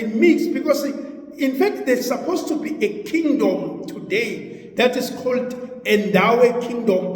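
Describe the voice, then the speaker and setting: An older man, a traditional spiritual teacher, giving an earnest explanatory talk and repeating phrases for emphasis. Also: very high-pitched. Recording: echoey room with long reverb.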